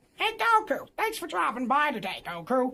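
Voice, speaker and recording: This is a put-on character voice, high in pitch. It swings very widely in pitch at a moderate pace. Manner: casual, friendly.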